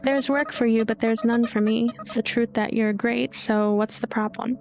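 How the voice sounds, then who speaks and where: A gloomy, blunt young girl, read by a woman in a visual novel. Her voice sits a little high, subdued and resigned, with music underneath. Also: fairly even intonation, moderate pace, darkish tone, natural voice. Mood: bitter, resigned.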